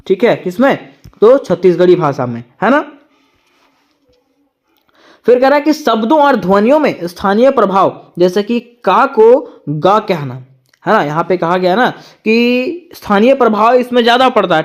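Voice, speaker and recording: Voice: mid-range voice, dull audio. A tutor giving an exam-prep lecture, asking rhetorical questions and answering them, repeating each point twice.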